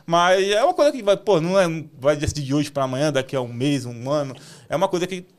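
A man's voice: on the high side, expressive, fast talker. A man from Rio de Janeiro with a carioca accent and tongue-tied, slushy articulation, telling stories as a driver in slangy casual chat. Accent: Rio de Janeiro Portuguese. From Rio de Janeiro, Brazil. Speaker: ride-hailing driver, guest.

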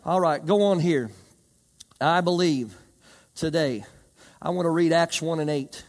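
High-voiced preacher in a reverberant hall. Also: male voice, unhurried. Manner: emphatic preaching with anecdotes and congregation call-and-response. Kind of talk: sermon. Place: church service with live congregation.

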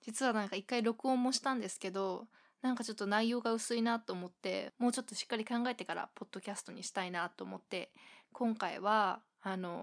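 A Japanese woman with a fairly high-pitched voice hosts a casual solo podcast, thinking aloud and filling pauses with frequent fillers.

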